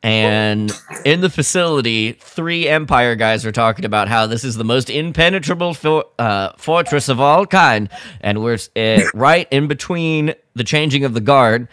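A man's voice: mid-range voice, expressive, moderate pace, a bit bright, clear, resonant tone, no room sound, clean studio sound. A man co-hosting a podcast, giving a casual, jokey recap of a story and slipping into mock dialogue. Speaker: podcast co-host.

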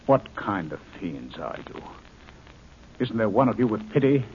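An actor playing an earnest, desperate American scientist in a 1950s radio drama, with a dramatic, sometimes halting delivery and an American accent. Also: male voice, fairly low pitch, sing-song. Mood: desperate, pleading. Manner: urgent, earnest, dramatic, halting under strain. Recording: muffled, noisy 1950s radio recording.

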